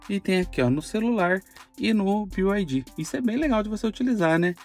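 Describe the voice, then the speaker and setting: A man's voice: a little high, darkish tone. Brazilian man demoing gear in his car. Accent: Brazilian Portuguese. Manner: chatty, explanatory, frequent "olha" and "tá?". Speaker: car channel host. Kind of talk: casual tutorial demo. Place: inside a parked car.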